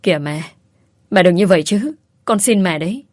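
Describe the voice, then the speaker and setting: A woman voicing a young mother who pleads softly and tearfully. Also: on the low side, lively intonation, normal speed, no room sound, studio quality. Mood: pleading.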